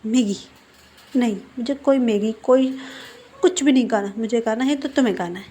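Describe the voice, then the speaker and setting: A woman's voice: on the high side, normal speed, mellow, natural voice. A woman voicing a sulky, jealous young man who turns possessive, reading his lines in a petulant, teasing way in a fan-fiction story.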